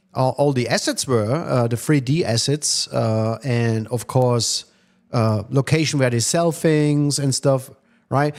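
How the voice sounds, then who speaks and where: On a very clean recording with a silent background, a man with a German accent and medium pitch talks at a fairly slow pace with very even loudness. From East Germany. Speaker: gaming streamer. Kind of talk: casual chat. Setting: live stream. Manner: halting.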